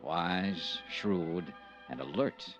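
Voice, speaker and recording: An actor playing a tough, shrewd insurance investigator in a golden age radio drama, American, with a terse, blunt manner. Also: male voice, low voice, drawn-out words, fairly bright tone, dull audio, full character voice. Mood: wry, brooding narration. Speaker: lead actor and narrator. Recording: vintage radio recording with music.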